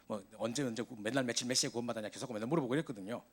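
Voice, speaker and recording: A man preaching a sermon to a youth service, telling stories in an animated way. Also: medium pitch, rapid-fire. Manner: animated storytelling, voice rising in exasperation.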